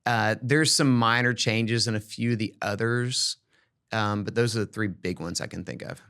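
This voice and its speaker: A man's voice: lowish voice, moderate pace, fairly bright tone, smooth. A man hosting a podcast, giving casual advice and often repeating words as he thinks aloud. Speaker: podcast host.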